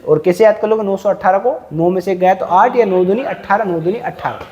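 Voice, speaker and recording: A man with a high, soft, mellow voice teaches a class live. He fires questions at the students and repeats figures over and over to drill them in. He is heard through a lapel mic. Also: brisk, muffled recording. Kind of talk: classroom lecture.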